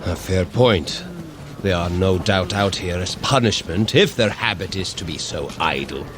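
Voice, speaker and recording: An actor playing a hearty, impatient, good-natured warrior god in a scripted audio adventure, with blunt, theatrical, old-fashioned phrasing. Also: male voice, low-pitched, unhurried, background noise. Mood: musing. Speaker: fitness workout guide character.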